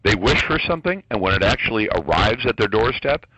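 A man's voice: fairly low pitch, expressive, brisk, pushed and bright, breathy edge, no echo, rough recording. A man talking as a radio guest in a combative, indignant, punchy way. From born in Taiwan to American parents. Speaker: talk radio host, guest. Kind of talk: radio talk interview. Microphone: studio microphone.

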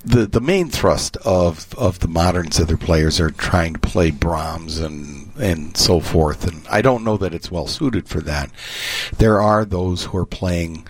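A man, a zither player, talking haltingly in a radio interview with dry humor. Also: deep voice, dry recording. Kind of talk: casual radio interview talk. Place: radio studio.

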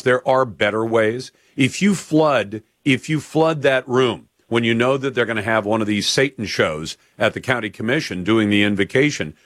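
A man's voice: mid-range voice, fairly bright tone, no room sound, studio quality. A man hosting a talk radio show, holding forth with emphasis and acting out quoted exchanges. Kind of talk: opinionated radio monologue and call-in.

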